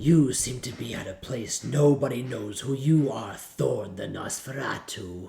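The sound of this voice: A man growls through a put-on character voice at medium pitch, speaking at a fairly slow pace with ordinary pitch variation.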